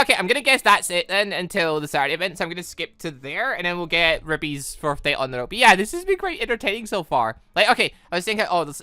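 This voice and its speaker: Bright-voiced woman doing rambling game commentary. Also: fairly low pitch, no echo. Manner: rambling, giggly, reacting aloud. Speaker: gaming channel host playing a visual novel. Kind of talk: casual let's play commentary, reading dialogue aloud. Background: game music.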